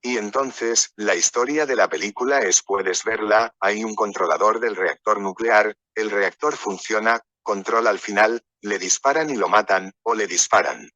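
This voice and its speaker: A man teaching a workshop in a loose, storytelling manner, wandering from one anecdote to the next. His voice sits low but has a bright, forceful edge. The sound is dry, with no room reverb. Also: a little slow, hardly any pauses. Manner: rambling, anecdotal, conversational. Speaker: workshop speaker. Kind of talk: storytelling lecture.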